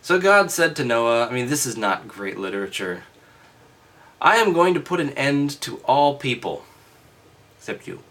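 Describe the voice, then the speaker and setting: Man, medium pitch, casual reading, hesitant, skeptical offhand remarks, wry, just woken up. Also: sing-song, normal speed, a bit bright. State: just woke up. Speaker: host reading aloud and commenting. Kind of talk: casual read-aloud with offhand commentary.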